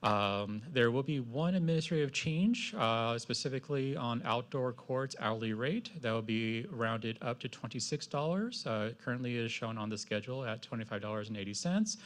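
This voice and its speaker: A man giving a formal staff presentation at a public meeting, speaking in a halting, procedural way. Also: mid-range voice, animated. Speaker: city staff member presenting.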